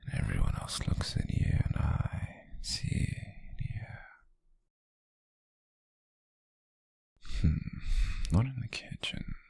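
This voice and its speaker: A British man playing an obsessive, possessive male stalker in an ASMR roleplay, speaking in a slow, breathy, raspy whisper, teasing and sinister, close to the microphone. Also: darkish tone, no room sound, close to an everyday voice. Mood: tender obsession.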